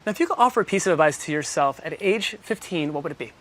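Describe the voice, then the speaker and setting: A woman interviewer firing off short, upbeat questions in quick succession. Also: deep voice, animated. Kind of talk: quick street-style questions.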